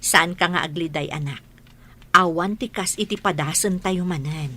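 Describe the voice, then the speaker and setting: A woman playing a gentle, reassuring mother in a family drama. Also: on the low side, moderate pace. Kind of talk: Ilocano family drama acting.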